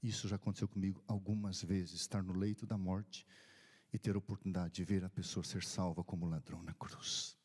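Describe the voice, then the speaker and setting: Husky-voiced pastor telling stories. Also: male voice, low voice, level tone, a little fast, darkish tone. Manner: earnest storytelling with emphatic rising peaks. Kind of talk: sermon storytelling.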